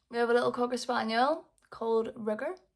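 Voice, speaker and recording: A woman with a Northern Irish accent, fairly high in pitch, with fairly even intonation. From Northern Ireland. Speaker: knitting vlogger. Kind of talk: casual vlog chat. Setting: at home, on the bed.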